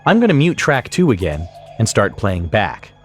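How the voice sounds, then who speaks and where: A man giving step-by-step instructional narration as a software tutorial instructor, explaining clearly what he does on screen. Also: fairly low pitch, huge pitch swings, normal speed, soft background music.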